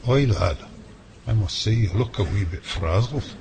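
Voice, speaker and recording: A seasoned Scottish sound analyst, as a man plays him, calm and folksy in a low voice, talking shop with easy confidence. Hiss sits clearly under the recording. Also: unhurried. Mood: friendly. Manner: calm, folksy, says lad and aye. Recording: noisy home-made audio drama.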